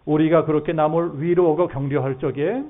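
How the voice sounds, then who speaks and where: A middle-aged pastor with a high, light voice gives a sermon in a church, talking to his congregation and often asking them questions. The sound is thin and narrow, like a phone line. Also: steady tone, fairly quick. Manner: conversational preaching with questions to the congregation. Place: church sanctuary.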